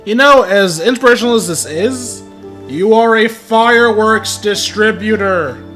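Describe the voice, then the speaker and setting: A man's voice: sits high, unhurried, a bit bright, faint music behind. A young man giving casual, joking game commentary and reading dialogue aloud with a wry manner. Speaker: gamer, video creator.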